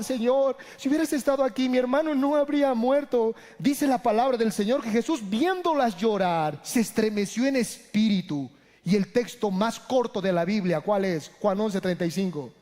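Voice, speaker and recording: A middle-aged male pastor preaching an impassioned sermon, dropping low and quiet for emphasis. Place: church hall. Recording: long hall reverb.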